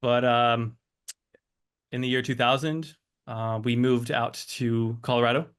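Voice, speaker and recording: A man's voice: mid-range voice, little pitch movement, a little slow, smooth. A man in his thirties from Switzerland and the United States, reflecting on personal experience as an interview guest, often searching for words.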